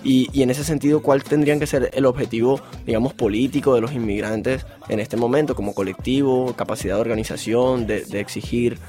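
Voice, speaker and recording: A man's voice: medium pitch, steady tone, brisk, hardly any pauses, warm tone. A man hosting a radio show, asking long, hesitant questions full of fillers. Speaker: radio host.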